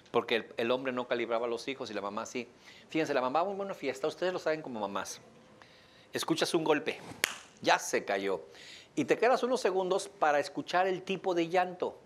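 A man with a Mexican accent giving a lively lecture to a live audience, joking and asking them questions. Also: on the high side, slight background noise. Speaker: speaker teaching an audience.

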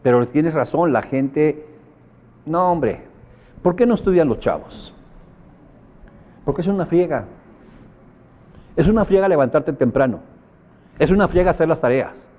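A man's voice: on the high side, dark tone. A man with a Mexican accent giving a motivational seminar talk to a group. He speaks colloquially and emphatically, repeats phrases for effect and puts questions to his audience.

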